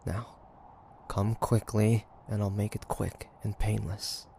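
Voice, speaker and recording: A cocky, stubborn nineteenth-century demon hunter, acted by a man in an audio drama. His delivery is very slow and theatrical, broken by pauses, with a gravelly creak in the voice. A faint noise sits behind him. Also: fairly low pitch, fairly even intonation, dark tone. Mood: taunting, smug. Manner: theatrical, taunting, halting with sighs and pauses. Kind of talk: dramatic audio roleplay monologue.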